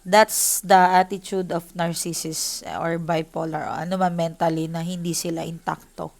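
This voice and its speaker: A woman gives a casual tarot reading to her viewers. Her voice sits a touch low, and she talks in an emotional, heartfelt way, switching between Tagalog and English as she speaks to them directly. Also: little pitch movement, moderate pace, gravelly, darkish tone. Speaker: tarot reader.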